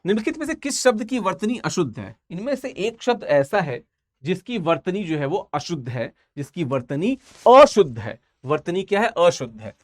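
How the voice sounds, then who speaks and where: A man's voice: sits high, sing-song, moderate pace, dry recording. A man teaching an online exam-prep language class, talking casually and repeating each answer several times.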